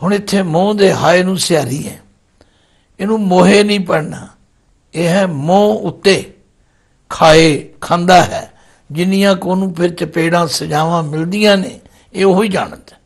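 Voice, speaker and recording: A middle-aged man giving devotional scripture commentary, chanting verses slowly before explaining them. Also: high-pitched. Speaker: Sikh scripture expounder.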